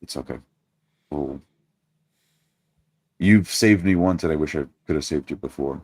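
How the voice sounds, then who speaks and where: A man voicing a courteous, earnest adventurer in a tabletop game, speaking formally and politely with halting pauses. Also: rumbling low, a little mellow, no echo, studio quality.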